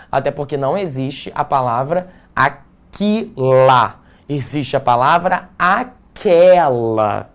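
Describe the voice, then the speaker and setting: A man with a Brazilian accent teaching a live exam-prep grammar class, explaining step by step and checking in with his students. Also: mid-range voice. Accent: Brazilian Portuguese. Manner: explanatory, frequent check-ins like "certo?" and "tá?".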